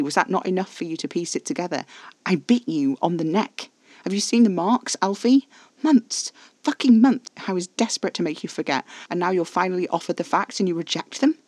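A man's voice: mid-range voice, a little mellow, no echo, lightly acted. A man voicing a frustrated, possessive male vampire in a storybook, with formal, exasperated speech. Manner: haughty, exasperated, formal wording.

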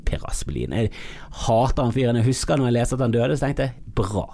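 A comedian from Bergen with a Bergen accent, ranting in a podcast monologue, swinging from loud mock-outrage outbursts to low mutters. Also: male voice, steady tone. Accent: Bergen Norwegian. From Bergen, Norway.

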